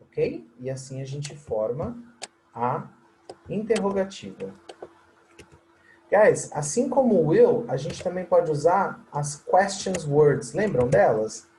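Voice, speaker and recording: A Brazilian man teaching English in a recorded lesson, explaining in Portuguese and modeling English sentences slowly and clearly, with friendly check-ins to the class. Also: fairly high pitch, animated, warm tone, a little hiss or hum, poor audio.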